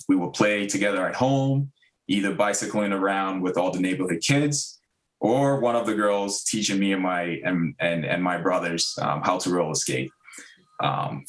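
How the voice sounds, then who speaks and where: A man's voice: lowish voice, fairly bright tone, rough recording. A man in his thirties from Ghana, giving earnest prepared remarks at a public school meeting with frequent fillers. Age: 30s. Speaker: district diversity director.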